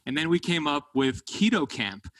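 A man hosting a podcast interview in an effusive, excited manner. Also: on the high side, moderate pace, dry recording. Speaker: podcast host.

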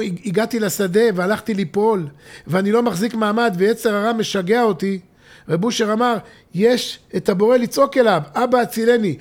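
A middle-aged father teaches religious texts on a podcast in a high, light voice. He presses points with emphasis, then sinks into quiet, intimate tones. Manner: expressive, swinging from emphatic to hushed and intimate.

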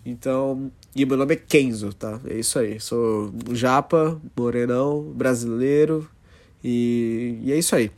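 A man's voice: medium pitch, unhurried, darkish tone. A man from São Paulo with a São Paulo accent, hosting a casual solo podcast and rambling with slang and self-interruptions. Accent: São Paulo Brazilian Portuguese. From São Paulo, Brazil. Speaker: podcast host.

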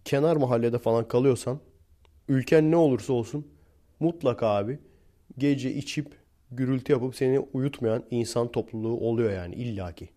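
A man's voice: mid-range voice, normal speed, mellow. A young man from Turkey talking blunt and slangy to his viewers, chuckling between points as he tells stories. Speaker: vlogger. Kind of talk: casual storytelling monologue to viewers.

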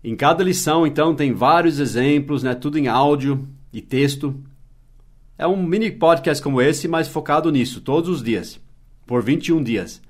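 A man raised in Brazil with English as his first language, hosting a casual mini-podcast lesson. He explains patiently and drops short English example phrases into his explanations. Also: fairly high pitch. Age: adult, past his teens. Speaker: English teacher, podcast host.

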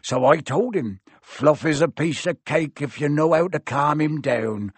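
A man voicing a huge, gruff, kindly half-giant gamekeeper who rambles and blurts things out, read from a storybook. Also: a little high, unhurried, no echo. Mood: rambling.

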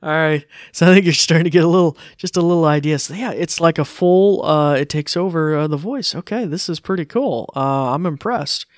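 A man's voice: on the high side, fairly quick, hardly any pauses, no echo, clean studio sound. A man giving a casual live tech demo, informal and hesitant, easily amused. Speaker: tech demonstrator.

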